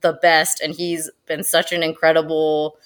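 A woman zoo educator talks in a relaxed interview, her voice a little lower than most. She is animated, slips into quick excited quoted asides and laughs often. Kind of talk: casual interview chat.

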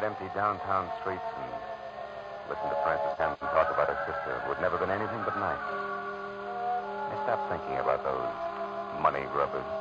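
Deep-voiced weary radio private eye. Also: male voice. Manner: terse, world-weary, wry. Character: weary hard-boiled male private detective, cynical yet humane. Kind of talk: 1940s radio drama acting and first-person narration. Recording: muffled old radio broadcast, music underneath.

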